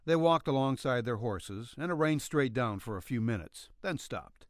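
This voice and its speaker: A man's voice: medium pitch, animated, moderate pace, no echo, clean studio sound. A man narrating a western story as a scripted audiobook reading.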